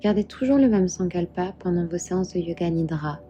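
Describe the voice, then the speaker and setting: A woman guiding a meditation as a yoga instructor, calm and soothing, giving measured instructions. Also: lowish voice, dull audio, a little hiss or hum. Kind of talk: guided meditation narration. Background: soft background music.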